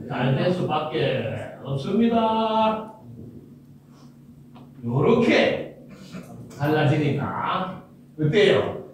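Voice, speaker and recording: A man giving a motivational lecture, animated and quizzing the audience with questions. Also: high-pitched, slight background noise. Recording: echoey hall, distant mic.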